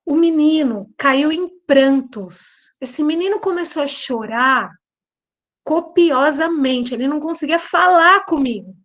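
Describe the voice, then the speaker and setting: Woman, Brazilian Portuguese accent, middle-aged, high voice, lively storytelling, repeats for emphasis, dull lo-fi sound. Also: unhurried. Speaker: lecturer and behavioral trainer. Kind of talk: storytelling talk.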